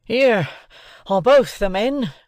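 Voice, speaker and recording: A reader voicing a decisive, brusque army sergeant who barks loud commands. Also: mid-range voice, normal speed, no echo, pitched above the performer's own voice, close to an everyday voice. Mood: commanding.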